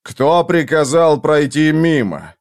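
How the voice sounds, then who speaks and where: A man voicing a brutal vengeful man who interrogates in a harsh, slow, menacing way. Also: a little high, animated, voice pushed up.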